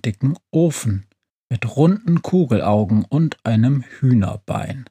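A storyteller reading a children's story aloud in a lively, expressive way. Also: mid-range voice, husky, no room sound, clean studio sound. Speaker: narrator.

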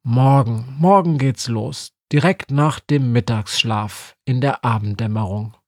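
A man's voice: mid-range voice, a little slow, no room sound, studio quality. A man voicing a grumpy, stubborn old female Christmas witch. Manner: cranky, stubborn.

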